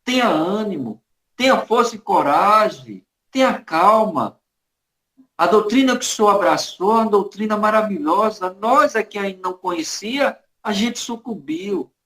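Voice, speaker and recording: A man voicing the grateful spirit of a young man who took his life, speaking softly and consolingly. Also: high voice, lively intonation, normal speed, echoey room, poor audio. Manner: soft, consoling, pleading. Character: grateful male spirit of a young suicide, gentle.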